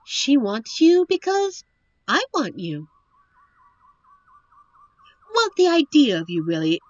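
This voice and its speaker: A woman playing a captive young princess in a roleplay audio drama, witty and wistful, with genteel, formal storybook phrasing and thoughtful pauses. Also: high-pitched, sing-song, no room sound, dull audio, full character voice. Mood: hesitant, wistful. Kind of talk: roleplay audio drama, one side of a dialogue.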